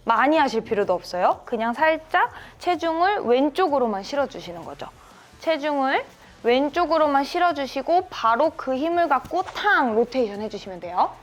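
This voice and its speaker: A woman's voice: high voice, big pitch swings, normal speed. A woman golf instructor coaching a student through swings, encouraging them and calling out sound cues like "bang" on each hit. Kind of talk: hands-on golf lesson coaching.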